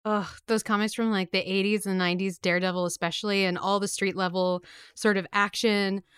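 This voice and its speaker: A woman's voice: medium pitch, level tone, a little fast, fairly bright tone, clear, resonant tone. A woman hosting a podcast, introducing clips and interviewing a guest with enthusiastic presenter delivery. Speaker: podcast host. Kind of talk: upbeat show hosting and interviewing.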